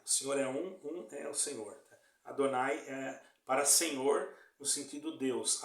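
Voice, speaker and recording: A man preaching an online sermon as an evangelist, earnest and repetitive, often checking that his listeners follow. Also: medium pitch. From Brazil. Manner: earnest, repeats phrases, asks "tá entendendo?". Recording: echoey room.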